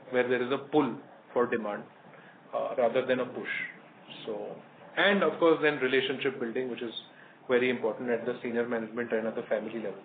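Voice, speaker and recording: Indian exec guy on an earnings call, kinda halting and careful, tinny phone sound w some hiss. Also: mid-range voice. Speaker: company executive answering analysts' questions. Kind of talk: earnings call question and answer. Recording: noisy narrowband phone conference line.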